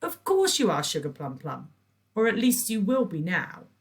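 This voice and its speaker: A woman's voice: fairly low pitch, wildly swooping pitch, moderate pace, pitched above the performer's own voice. A woman putting on a trilling, syrupy scheming neighbour lady. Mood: gushing. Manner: trilling, gushing, showers everyone with pet names. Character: sickly sweet scheming middle-aged woman neighbour. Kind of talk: storybook reading.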